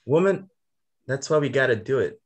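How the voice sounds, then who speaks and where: A man's voice: medium pitch, lively intonation, normal speed, lightly acted. A man reading the part of an earnest, proud miner and father, plain-spoken in rural Southern vernacular, in a drama table read. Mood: earnest, insistent.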